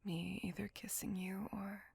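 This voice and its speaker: A woman's voice: medium pitch, flat delivery, darkish tone, no room sound, exaggerated voice. A woman voicing a possessive, remorseful female vampire lover in a whispered ASMR roleplay, talking in an intimate, doting way. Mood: apologetic. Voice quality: whispered, breathy and gravelly. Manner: intimate, apologetic, slow and doting.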